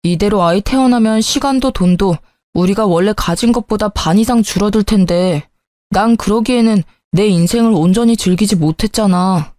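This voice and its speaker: A woman's voice: medium pitch, normal speed, no echo, studio quality, close to an everyday voice. A woman voicing a young husband who is irritable and defensive in a spoken story. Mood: apologetic. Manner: sulky, sharp-tongued, pleading at times. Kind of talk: storytelling with dialogue.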